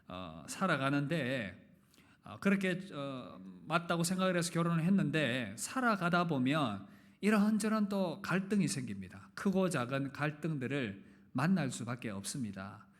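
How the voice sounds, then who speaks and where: A pastor from the Gyeongsang region preaching a sermon in a church, questioning and joking with the congregation, with loud emphatic openings. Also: male voice, fairly high pitch. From Gyeongsang region, Korea. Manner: asks the congregation questions and jokes with them. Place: church sanctuary. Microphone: live-streamed service mic.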